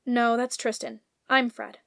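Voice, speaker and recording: A woman's voice: a little high, fairly even intonation, a little slow, vocal fry, fairly bright tone, dry recording, studio quality. An actress playing a confident, eager young lady knight in an audio fairy-tale comedy. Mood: cheerful, matter-of-fact.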